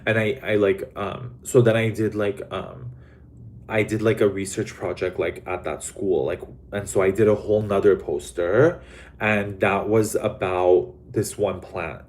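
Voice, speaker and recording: A man's voice: lowish voice, steady tone, unhurried, darkish tone. A young man from Los Angeles chatting casually to live viewers, rambling with lots of "like" and "um" and swearing bluntly. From Los Angeles, USA. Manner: rambling, many fillers like "like" and "um". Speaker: livestream host.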